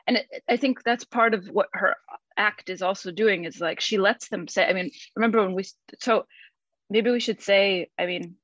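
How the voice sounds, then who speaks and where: A woman speaking as a podcast guest, explaining her translation work in a thoughtful, measured conversational way. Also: medium pitch, a bit bright, no room sound. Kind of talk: conversational discussion. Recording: dull, dry lo-fi sound.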